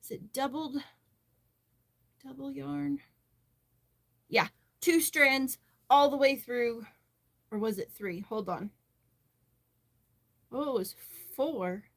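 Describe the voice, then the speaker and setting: A woman's voice: high voice, slow pace, gravelly, long pauses. An American woman hosting a casual livestream, chatting and answering viewer comments as she goes. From western Massachusetts, United States. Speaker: livestream host, crocheter.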